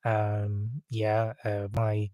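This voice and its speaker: A British man with a hint of American in his accent, a voice actor chatting on a live stream, halting with many fillers. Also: fairly low pitch, completely flat delivery, mellow, no room sound. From England. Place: home studio.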